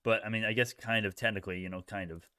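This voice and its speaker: Young male streamer, quick pace, clean close dry sound, informal bro slang, off-the-cuff market commentary. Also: on the low side, steady tone, pushed and bright, clear, resonant tone, no room sound. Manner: informal bro slang, thinks aloud, repeats himself. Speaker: livestream host, retail stock trader. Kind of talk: casual live stock-chart commentary, reacting to chat.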